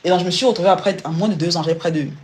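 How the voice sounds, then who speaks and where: A woman's voice: fairly low pitch, rapid-fire, a little mellow, slight background noise. A woman coaching viewers on personal finance during a live stream, speaking informally and directly to the listener, often restarting and repeating words. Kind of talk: live-stream money advice.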